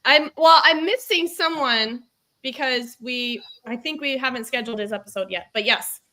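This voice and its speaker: A woman's voice: high-pitched, normal speed, sharp tone. A woman hosting an interview podcast, talking in a friendly, rambling way with many fillers. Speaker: podcast host. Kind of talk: casual interview chat.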